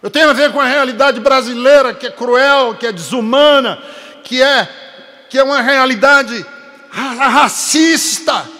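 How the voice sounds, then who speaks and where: Brazilian male preacher, high-pitched, slow deliberate sermon delivery, emphatic, long hall reverb. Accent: Brazilian Portuguese. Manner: emphatic, building to forceful peaks, with chatty asides to the congregation.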